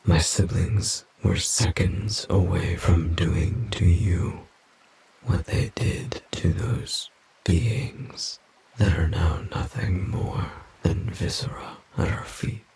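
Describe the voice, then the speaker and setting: Very slow, gravelly forest demon. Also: male voice, deep voice, darkish tone, heavily acted, low-quality recording. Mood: grave reproach. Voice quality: gravelly, breathy, husky whisper. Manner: slow, formal, grave, measured. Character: ancient solemn male forest demon guardian. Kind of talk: audio roleplay acting.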